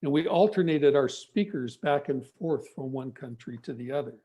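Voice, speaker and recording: A man giving a measured, storytelling talk over a video call. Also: medium pitch, expressive, dark tone. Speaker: guest speaker. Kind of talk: reflective talk on an online event.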